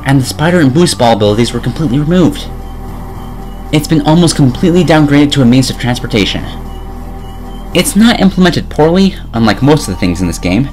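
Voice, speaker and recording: A man reads a scripted game review in a mid-pitched, lively voice that swings up and down. He sounds sardonic and critical. Music plays softly behind his narration.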